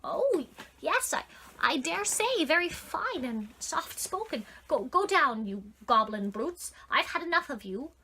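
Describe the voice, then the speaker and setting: Brief: tetchy little old man, bright gravelly growl, played by a woman narrator. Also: fairly high pitch, animated, moderate pace, slight background noise, full character voice. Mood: furious. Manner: growling, quivering with anger.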